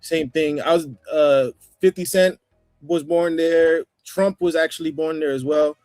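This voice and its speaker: A man with a New York accent talking casually on a livestream panel, rambling, with restarts and throat clearing. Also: on the high side, fairly even intonation, a little slow, a little mellow, no echo, clean studio sound, faint music behind. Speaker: panel guest.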